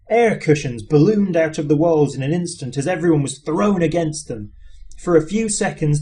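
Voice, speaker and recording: A man's voice: fairly high pitch, a little mellow. A man narrating an audiobook as an amateur reader, in scripted storytelling style.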